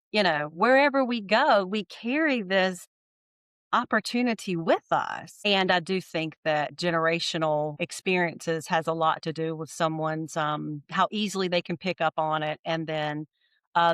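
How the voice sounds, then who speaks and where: A middle-aged woman answering interview questions in a thoughtful, warm way, often checking in with "right?". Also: lowish voice, smooth, dry recording, clean studio sound. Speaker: podcast guest.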